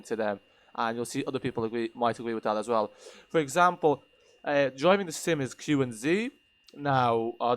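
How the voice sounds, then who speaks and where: Man giving a hesitant game review. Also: medium pitch. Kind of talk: unscripted review commentary over gameplay.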